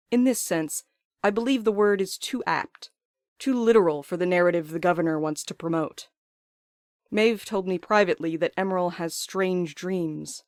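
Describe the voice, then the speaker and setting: An actor playing a thoughtful, uneasy writer in an audio drama, speaking in an articulate, literary, measured way. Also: medium pitch, no echo, clean studio sound, close to an everyday voice. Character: thoughtful, uneasy writer recounting observations in a private letter. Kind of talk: scripted first-person audio drama monologue.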